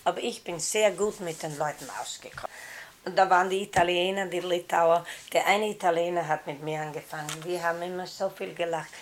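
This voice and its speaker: A woman's voice: lowish voice, fairly even intonation, brisk, slight background noise. An older woman recalling things casually in plain short sentences. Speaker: emigrant interviewee. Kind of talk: casual spoken recollection.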